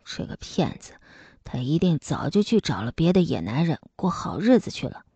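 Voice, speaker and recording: A woman voicing a spiteful, sick old father in an audiobook, who sneers and gloats in a low, half-whispered voice. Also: very animated, normal speed, warm tone, breathy edge, no room sound, muffled recording, heavily acted. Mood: gloating scorn. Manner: mocking and gloating. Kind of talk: audiobook character voice.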